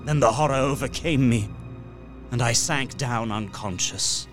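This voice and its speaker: Radio-play narrator, male actor: horrified young solicitor, earnest, formal, mid-pitched, light music bed. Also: unhurried, close to an everyday voice. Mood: aghast. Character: Jonathan Harker, horrified young solicitor recounting his journal. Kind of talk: dramatic first-person narration, radio play.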